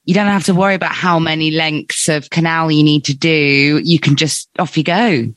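A woman's voice: low voice, fairly even intonation, moderate pace, no room sound. A woman speaking casually and reassuringly in a podcast conversation. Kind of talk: casual chat.

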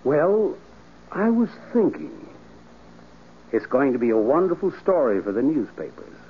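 A man playing a smooth, self-assured criminal blackmailer with a suave, mocking theatrical manner in a 1940s radio crime drama. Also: medium pitch, very animated, measured pace, a little hiss or hum. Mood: boastful. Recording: muffled, tinny old radio recording.

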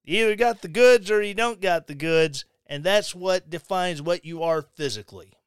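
A podcast host from Missouri delivers a blunt, opinionated monologue peppered with sarcastic asides. His voice is high-pitched and animated, moving at a normal speed, and the studio-quality recording is clean with no room sound.

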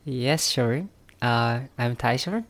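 A young man from Japan, co-hosting a podcast with brief, quiet replies. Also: medium pitch, expressive, slow. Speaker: podcast co-host. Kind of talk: casual chat.

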